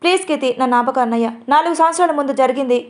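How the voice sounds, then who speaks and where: A man's voice: extremely high pitch, racing. A woman voicing a protective young man in an audio story, urgent and earnest.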